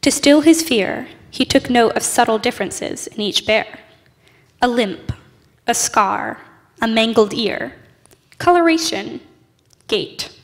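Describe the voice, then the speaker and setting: A teenage girl narrating a radio play as a deliberate storyteller, recorded live on stage. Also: fairly high pitch, lively intonation.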